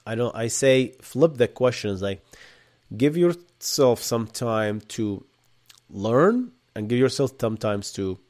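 A Bahraini man with an Arabic accent hosts a live Q&A, answering chat questions casually while thinking aloud, restarting and tossing in a rhetorical "right?" His mid-range voice is animated and slow, with a darkish tone.

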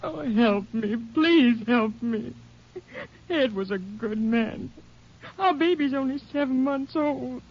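A woman's voice: sits high, slow pace, full character voice. A woman playing a grieving, desperate young American widow with a baby, tearful and pleading, in 1950s radio drama style. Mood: anguished, pleading. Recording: muffled old radio broadcast recording.

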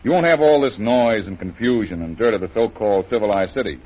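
An actor playing a confident, easygoing adventurer hero in an old radio drama. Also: male voice, on the low side, quick pace, lightly acted. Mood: steady. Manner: steady, easygoing, assured. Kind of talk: 1930s radio acting. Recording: dull old radio recording with faint hiss.

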